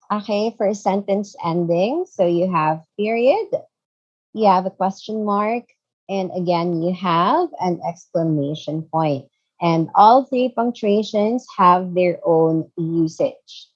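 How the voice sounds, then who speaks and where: A woman's voice: mid-range voice, a little mellow, muffled recording. A woman teaching an online English grammar lesson, patient, often checking in with "okay" and "so there.". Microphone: video call.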